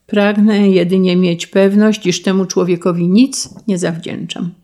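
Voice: medium pitch, steady tone, unhurried, warm tone, lightly acted. A reader voicing a proud young count who gives up his name and estate, dignified and firm in an audiobook reading.

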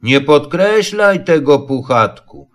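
A man's voice: on the high side, lively intonation, slow. A man voicing a gloomy, self-pitying old donkey in a storybook reading, mournful and drawn out.

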